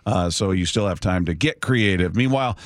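An American man hosts a sports talk radio show from a dry, close-miked studio. His voice sits on the low side. He rambles casually, chuckling often and restarting his sentences. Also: fairly quick, no room sound. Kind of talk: casual chat.

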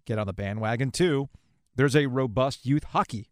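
A man's voice: medium pitch, moderate pace, dry recording, studio quality. Middle-aged man hosting a casual sports podcast. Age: 40s. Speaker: podcast host. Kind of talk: casual sports interview chat.

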